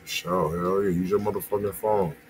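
A man's voice: low voice, steady tone, a little fast, slight background noise. A man co-hosting a music stream, chatting casually with profane slang and repeated affirmations. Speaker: music review stream co-host. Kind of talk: casual chat.

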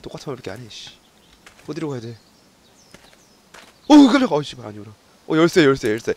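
A man streaming a video game live, commenting in an excitable, jokey way, often yelling and swearing. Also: on the high side, fast, dry recording.

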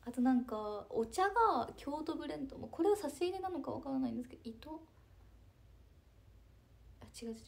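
A young woman chats breezily on a live stream. Her voice sits a little high, and she drifts into hushed asides as she reads the comments. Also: animated, fast, vocal fry, long pauses, a little hiss or hum. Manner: chatty, breezy, drops into soft asides. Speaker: idol livestreamer reading chat comments. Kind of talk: casual live-stream chat.

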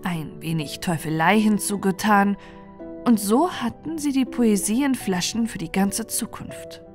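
A woman reading a fairy tale as narrator, in an expressive scripted storytelling style. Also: medium pitch, unhurried. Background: soft music.

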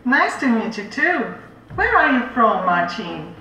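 A woman plays a friendly young woman in a scripted textbook dialogue. Her voice is bright and lively, with sing-song questions. It is heard from far off, very echoey and dull. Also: a little high, measured pace, slight background noise, heavily acted.

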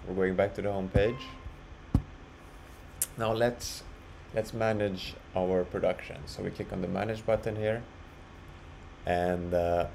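A man presenting a casual software walkthrough, explaining step by step in a halting way. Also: low voice, steady tone. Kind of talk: casual screen-share walkthrough. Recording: clearly audible background noise.

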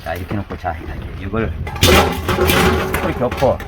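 Male cooking host, lively running commentary, heavy rain noise behind. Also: deep voice, normal speed. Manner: repetitive running commentary while working, chanting instructions. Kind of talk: hands-on cooking demonstration. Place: indoors with downpour outside.

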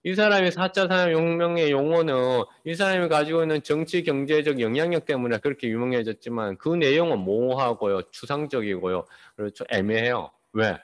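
A man's voice: medium pitch, fairly quick, hardly any pauses. A man in his fifties giving an online lecture over a webcam, explaining step by step and answering his own rhetorical questions. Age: 50s. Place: small room, indoors. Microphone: webcam on a video call.

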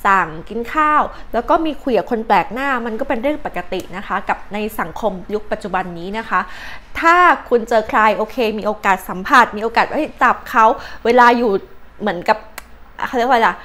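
A woman's voice: a little high, expressive, a little fast, sharp tone. A young Thai woman hosting her own advice vlog, chatting casually with many fillers and polite particles. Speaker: channel host, astrology and advice vlogger. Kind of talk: casual chatty explainer, translating tips.

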